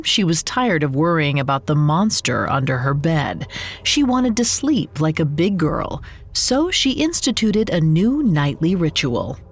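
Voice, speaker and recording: A woman co-hosting a podcast, telling scripted true-crime stories in an expressive storytelling manner. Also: sits low. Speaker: podcast co-host.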